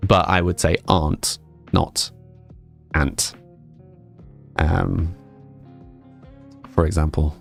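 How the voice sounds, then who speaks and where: Speaking slowly in a deep, gravelly voice with long pauses, a young man chats casually with his stream and reads their messages aloud over soft background music. He comes from England, has family in Scotland, and his relaxed, rambling speech mixes northern and southern English accents.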